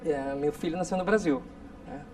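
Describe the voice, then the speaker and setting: A man in his forties from South Korea, a guest telling stories in a relaxed interview with many tag questions. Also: a little high, normal speed. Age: 40s. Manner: storytelling, frequent tag questions. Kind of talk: casual interview talk. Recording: distant mic with faint noise.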